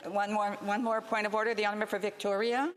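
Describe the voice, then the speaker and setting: A woman with a Canadian accent presiding as speaker of parliament, giving formal rulings in a halting, hesitant way. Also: medium pitch, flat delivery. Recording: reverberant chamber hall.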